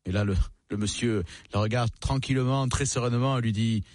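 A man telling a joke at an even, measured pace, with small hesitations. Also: mid-range voice, dry recording, studio quality. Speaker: joke teller. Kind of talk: telling jokes aloud.

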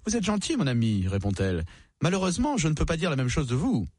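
A man of middle pitch telling a joke in a measured way, with little hesitations along the way. His voice sounds dry and close, with no room around it. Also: sing-song, a little mellow, breathy edge, dry recording. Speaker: joke teller. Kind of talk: telling jokes aloud.

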